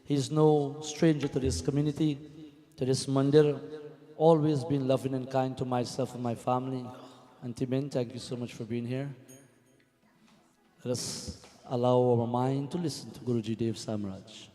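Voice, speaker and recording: A man's voice: medium pitch, flat delivery, moderate pace, dark tone. A man giving a devotional sermon and welcome as a Hindu spiritual leader, exhorting with rhetorical questions and repeated phrases. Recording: reverberant hall, music behind.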